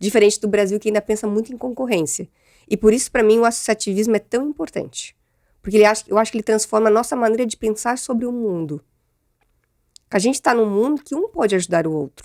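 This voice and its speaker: A woman's fairly high, animated voice at a very fast pace, on a very clean recording with a silent background and a dry, close sound with no echo. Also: ordinary pitch variation. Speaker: business executive. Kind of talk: interview.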